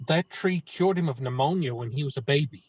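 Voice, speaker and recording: A man's voice: on the high side, fairly quick, heavy background noise, natural voice. A man playing a patient young villager who explains local customs, in a table read over a muffled online call. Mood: apologetic, earnest. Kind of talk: virtual table read of a screenplay. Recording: muffled lo-fi video call audio.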